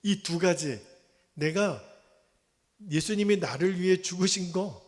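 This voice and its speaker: A man's voice: sits high, slow. A man, a pastor, preaching a sermon and telling a story, acting out its voices and dropping into whispers. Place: church sanctuary. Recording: reverberant church hall.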